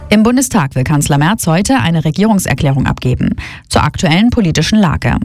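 A woman reading a radio news bulletin in a crisp, measured delivery. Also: sits low, darkish tone, dry recording. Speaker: newsreader.

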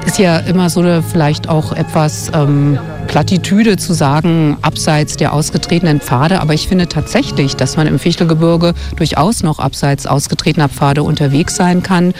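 Outdoors on a winter forest walk, a radio journalist and travel guide writer from West Berlin, Germany, gives a radio interview with music behind her. Her low voice moves at normal speed, fairly evenly and with hardly any pauses, as she explains things fluently and thoughtfully.

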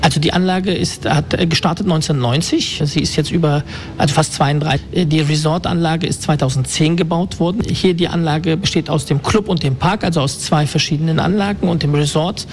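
A man's voice: fairly high pitch, fairly even intonation, brisk, slight background noise. A man from Germany, a resort manager, explaining things fluently with occasional hesitations in an interview. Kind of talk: interview answers. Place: holiday resort in Turkey.

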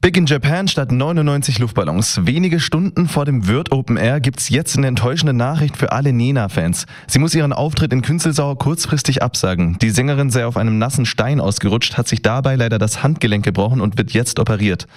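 A man with a mid-pitched voice reads a regional radio news piece, plain and matter-of-fact. The read is clean and even. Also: a little fast, hardly any pauses. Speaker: regional reporter. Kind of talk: scripted radio news report.

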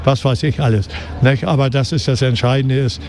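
A man's voice: medium pitch, steady tone, brisk, a little mellow, slight background noise. Old guy, 80s, market fish seller, talks like a showman, keeps tacking on "ne", outdoors at a market. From Hamburg, Germany. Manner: chatty showman, tag questions like "ne". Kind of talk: casual interview.

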